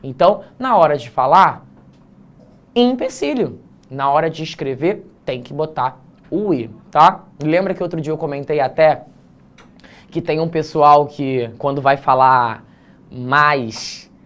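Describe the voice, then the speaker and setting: A man's voice: on the high side, measured pace, a bit bright. Male teacher, casual classroom lesson, breaks grammar rules down with slangy asides. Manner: chatty, explanatory, addresses students informally. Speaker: teacher correcting an exam essay.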